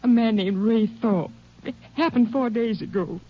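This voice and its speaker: A woman's voice: on the high side, moderate pace, a little hiss or hum, natural voice. A woman playing a grieving, desperate young American widow with a baby, tearful and pleading, in 1950s radio drama style. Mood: anguished, pleading. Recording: muffled old radio broadcast recording.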